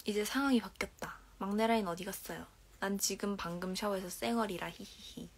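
A twenties woman with a Korean regional accent hosts a casual idol livestream in a dim bedroom, phone at arm's length, reading out comments and dropping into soft whispers and giggles. Her mid-range voice moves fairly quickly, with a little hiss or hum in the audio.

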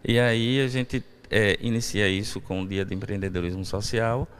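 A man's voice: on the low side, fairly even intonation, normal speed, clean tone. A man in his forties, a university professor, explaining an event in a live TV interview, with many fillers. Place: outdoors on a university campus. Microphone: handheld reporter mic.

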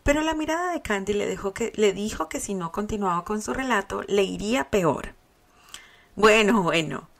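Woman narrator reading a fan story, plain steady delivery. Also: medium pitch, fairly quick, creaky, hardly any pauses. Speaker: reader.

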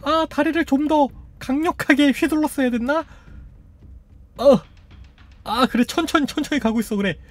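A woman's voice: high voice, normal speed, pauses often, no room sound. A woman casually commenting on a mobile game she is playing, cheering the robot on and voicing sound effects as she goes. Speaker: gaming YouTuber.

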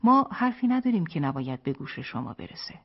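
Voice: medium pitch, very animated, highs cut off. An audiobook narrator voicing a wary young village husband who answers in a guarded, evasive way. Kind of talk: audiobook character reading.

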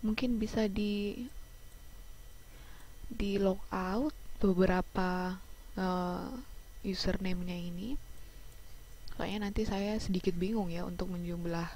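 A woman teacher with an Indonesian accent giving an online class over a video call, explaining slowly with many fillers and restarts. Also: mid-range voice, fairly even intonation, a little mellow, poor audio. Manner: hesitant explaining, frequent fillers, self-corrections.

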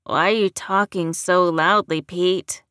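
A woman's voice: deep voice, fairly even intonation, a little slow, no echo, clean studio sound. Woman acting a tired, earnest man. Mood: concerned. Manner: sympathetic, earnest, mildly annoyed. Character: tired, concerned man defending himself to an accuser.

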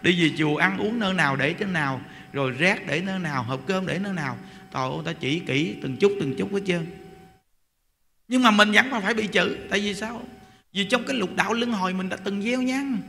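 A man's voice: high-pitched, gravelly, pushed and bright. A man giving a Buddhist dharma talk in a folksy way, acting out blunt everyday exchanges. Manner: folksy, acts out blunt dialogue with listeners. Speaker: Buddhist teacher. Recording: long hall reverb, faint noise.

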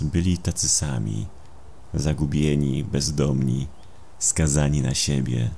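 A man narrates a horror tale in an extremely low, gravelly voice. His delivery is slow and brooding, with a dark, mellow tone. Faint ambient noise sits behind the storytelling. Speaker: audiobook narrator. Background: atmospheric sound effects.

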